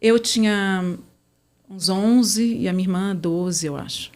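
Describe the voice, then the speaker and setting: A woman's voice: medium pitch, slow. A woman from Brazil, a conference interpreter, chatting as a podcast guest and telling stories in a friendly, easygoing way. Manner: chatty, warm storyteller. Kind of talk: casual interview chat.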